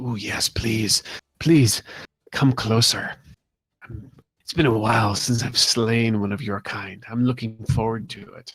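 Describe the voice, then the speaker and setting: A man puts on a menacing character voice at medium pitch, with hissing throughout. He talks at a fairly slow pace with long, frequent pauses. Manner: hissing, menacing, taunting.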